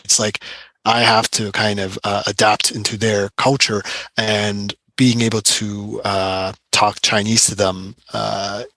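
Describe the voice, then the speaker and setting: A man with a low but forceful, bright-edged voice, recorded close and dry. He talks in a loose, rambling way, leaning on fillers as he goes. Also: no echo. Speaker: podcast co-host. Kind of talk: casual podcast chat.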